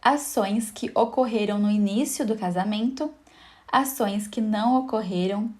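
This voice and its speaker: A woman's voice: mid-range voice, a little slow, darkish tone. A woman with a Brazilian Portuguese accent giving a recorded exam-prep lesson, explaining step by step in a friendly way and often checking in with her viewers.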